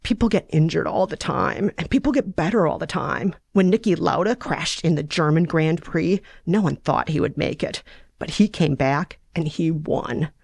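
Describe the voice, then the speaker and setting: A steady young man from a romance novella, voiced by a woman reading aloud. He speaks with calm certainty to soothe, in a creaky voice, recorded very dry. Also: low voice, moderate pace, dry recording, full character voice. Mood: reassuring. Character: reassuring, steady young man, racing-obsessed boyfriend.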